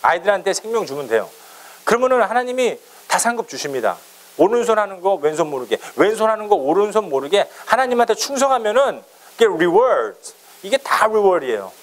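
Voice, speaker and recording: Animated, high-voiced male pastor preaching. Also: brisk. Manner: lively, playful preaching, teasing listeners by name. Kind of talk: sermon.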